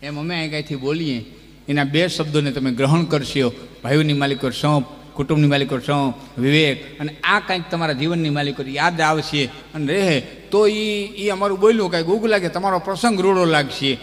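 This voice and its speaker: A man telling folk tales on a live stage, lively and chuckling, chanting verses between the stories. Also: on the high side, brisk. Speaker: folk storyteller. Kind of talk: folk storytelling with recited verse. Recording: long hall reverb with music behind.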